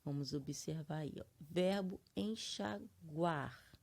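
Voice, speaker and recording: Slow, gravelly-voiced Brazilian woman teaching. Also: low voice, darkish tone. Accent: Brazilian Portuguese. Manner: slow, explanatory, drawn-out syllable-by-syllable examples. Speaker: Portuguese teacher. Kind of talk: classroom lesson.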